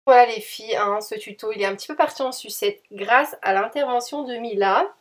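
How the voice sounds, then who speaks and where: A woman's voice: a little high, a little fast. A young woman narrating her makeup tutorial as a chatty, enthusiastic voice-over. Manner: chatty, enthusiastic, addresses viewers as girls. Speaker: beauty vlogger.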